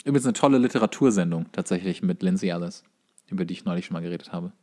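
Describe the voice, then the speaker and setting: Co-hosting a comedy podcast, a man with a low, darkish voice talks rapid-fire. His casual comic banter is wry and opinionated, full of wordplay.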